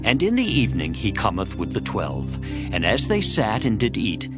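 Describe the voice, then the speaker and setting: A man's voice: fairly low pitch, wildly swooping pitch, normal speed. A man narrating scripture from a script for a dramatized audio Bible. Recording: music behind the voice. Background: background music.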